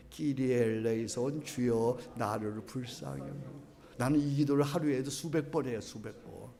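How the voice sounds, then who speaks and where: Male pastor, middle-aged, higher voice, leads call-and-response prayer, from hushed to loud chanting. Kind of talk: sermon.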